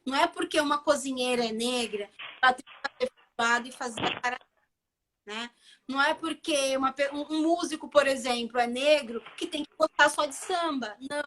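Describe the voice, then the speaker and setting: A woman's voice: sits high, fairly quick, fairly bright tone, slight background noise. A Brazilian woman with a Bahian accent, a chef chatting casually as a guest and repeating phrases for emphasis. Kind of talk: casual live conversation.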